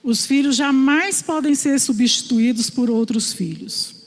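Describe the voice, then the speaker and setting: A woman from Brazil preaching a sermon, telling stories in a lively storyteller's way. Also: sits high, a little slow. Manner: storytelling, animated voices for quoted father. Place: church hall. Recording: reverberant church hall.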